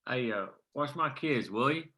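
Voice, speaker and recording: A man's voice: mid-range voice, lively intonation, normal speed, pushed and bright. A man playing a worried rural family man at a screenplay table read. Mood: worried, urgent. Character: Bill, worried dad and son, rural miner.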